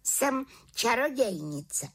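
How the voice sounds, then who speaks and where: A woman voicing a cheeky, lively little witch girl in a storybook reading, with a high, excited voice. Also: creaky, exaggerated voice. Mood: eager.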